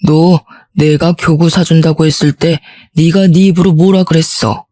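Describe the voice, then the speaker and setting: A woman playing a stern, scolding older man, the father-in-law in a storybook drama. The voice drops low and sounds set back from the mic, mellow and dry. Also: fairly even intonation, normal speed, no room sound.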